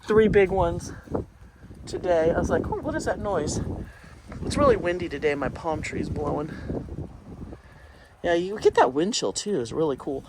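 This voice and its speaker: Chatty congested woman in a windy garden. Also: mid-range voice. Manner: chatty, rambling, talks to camera. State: congested, sniffling. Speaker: gardening vlogger. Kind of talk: casual garden walkthrough.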